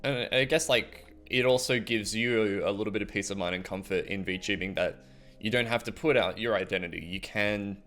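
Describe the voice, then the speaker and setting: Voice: low voice, normal speed, fairly bright tone, soft background music. Chatty casual interview host. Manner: conversational, chatty questions with likes and laughs.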